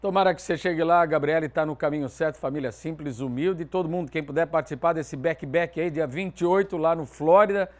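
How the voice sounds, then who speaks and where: A man in his forties with a Southern Brazilian accent, presenting sports news in a TV studio with lively, emphatic delivery. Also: on the high side, brisk, few pauses. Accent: Southern Brazilian Portuguese.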